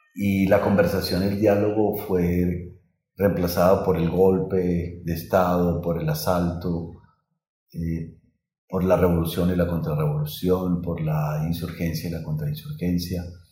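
In a room with audible echo, a man talks at a fairly slow pace, his very deep, low voice somewhat breathy. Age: 50s. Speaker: popular educator and former insurgent. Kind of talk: interview.

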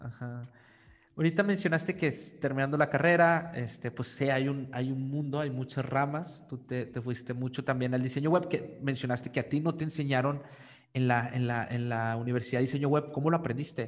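A man with an unremarkable speaking voice talks at a fairly quick pace. His pitch is medium and his intonation fairly even. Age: 30s. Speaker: podcast host. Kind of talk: interview.

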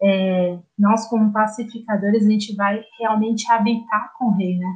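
A woman talks at a fairly slow pace in a somewhat breathy, fairly high voice. Her intonation stays monotone and flat. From São Paulo, Brazil. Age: 30s. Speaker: missionary. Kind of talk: testimony. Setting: remote call.

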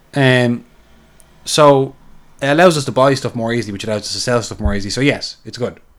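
This man has an unremarkable speaking voice with medium pitch and ordinary pitch variation. He talks at a fairly quick pace, with big swings in loudness. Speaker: podcast host. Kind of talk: casual chat.

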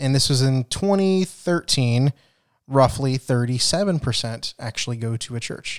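This man speaks at a fairly slow pace in a plain, everyday voice, medium in pitch with ordinary pitch variation, in a dry, close sound with no echo. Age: 20s. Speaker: podcast co-host. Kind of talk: casual chat.

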